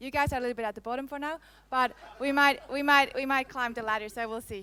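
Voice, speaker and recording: A woman speaks in a raised, projected voice at a very fast pace. Her pitch is high, with ordinary variation. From Switzerland. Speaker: marketing strategist. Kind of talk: conference talk. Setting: stage with audience. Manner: animated.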